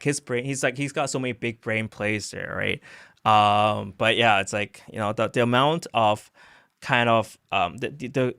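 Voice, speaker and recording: A man's voice: on the low side, creaky, fairly bright tone, dry recording, studio quality. A man hosting a crypto news show, talking casually and rambling with lots of fillers and "right?" tags. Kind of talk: casual unscripted commentary.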